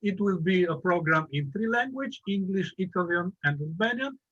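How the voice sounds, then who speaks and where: A man hosting an online video-call interview, with a high and bright but husky voice. He speaks slowly, in broken, halting phrases. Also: animated, dull audio. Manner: slow, broken phrasing, non-native. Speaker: interview host.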